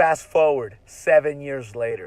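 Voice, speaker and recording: A man's animated tone with lively intonation. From Mexican-American. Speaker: insurance sales trainer. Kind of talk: motivational vlog. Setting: outdoors by a lake.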